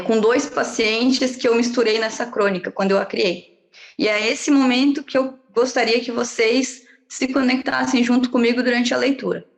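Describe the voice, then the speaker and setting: Brazilian woman, medical student, fairly high voice, calm reflective reading over a call. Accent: Brazilian Portuguese. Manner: measured, reflective, with pauses between phrases. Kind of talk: reading her own short prose piece aloud. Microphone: video call.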